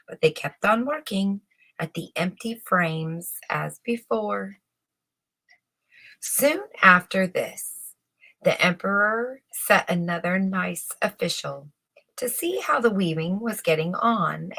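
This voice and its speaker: Female storyteller for a children's classic, lowish voice, unhurried, expressive scripted narration. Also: vocal fry.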